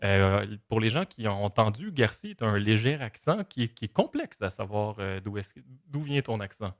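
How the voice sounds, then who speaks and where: A man's voice: lowish voice, big pitch swings, moderate pace. A man with a Québécois French accent hosting a podcast, asking questions in a joking, teasing way. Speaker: podcast host. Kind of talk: casual chat.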